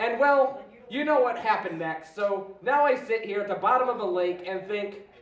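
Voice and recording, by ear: Reading aloud in a natural voice, with intonation full of life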